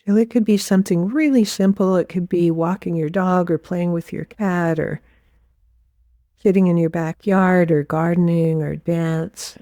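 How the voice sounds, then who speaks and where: A woman leading a guided meditation as a teacher, giving gentle, unhurried instructions with pauses. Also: on the low side, fairly even intonation, dry recording, clean studio sound.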